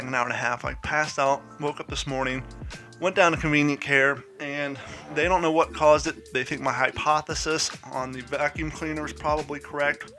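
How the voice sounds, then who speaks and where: A man's voice: medium pitch, bright, forceful tone. A man hosting his own podcast, telling a rambling personal story in a chatty, self-deprecating way while stuffed up with a head cold. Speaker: podcast host. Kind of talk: casual solo podcast monologue. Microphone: podcast mic.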